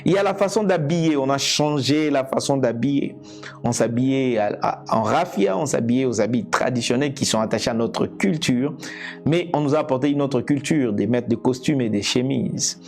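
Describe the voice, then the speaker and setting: A man from Congo whose first language is Lingala, preaching a teaching sermon in a slow, deliberate way, repeating and restarting phrases. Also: mid-range voice, expressive, a little mellow, soft background music. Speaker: evangelist preacher. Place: indoors, seated.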